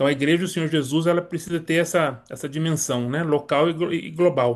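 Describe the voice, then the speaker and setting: Against a quiet background, a man speaks fairly quickly at a fairly high pitch with fairly even intonation. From Brazil, interior of São Paulo state (Taubaté). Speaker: missions pastor, missionary. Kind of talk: testimony.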